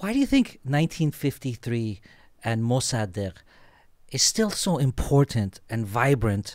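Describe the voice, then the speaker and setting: A man's voice comes through with a dry sound, no echo, and a quiet background. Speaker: podcast host. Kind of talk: interview. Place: studio. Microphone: studio mic.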